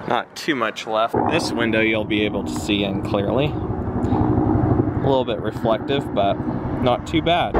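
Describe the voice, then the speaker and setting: A young man narrating a casual walkthrough as he explores an empty building, thinking aloud and guessing. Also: medium pitch. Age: young adult. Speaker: exploration vlogger. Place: outdoors around an empty building. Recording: outdoor street and traffic noise. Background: passing cars and street ambience.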